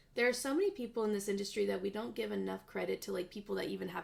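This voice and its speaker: A woman speaks with a slight Texas accent. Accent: slight Texas twang. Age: 20s. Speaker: voice actress. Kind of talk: interview conversation. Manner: casual, filler-heavy.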